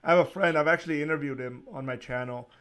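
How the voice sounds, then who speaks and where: A man hosting a casual interview, talking in a relaxed, rambling way with frequent restarts and small laughs. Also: on the high side, quick pace, clean tone. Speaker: podcast host.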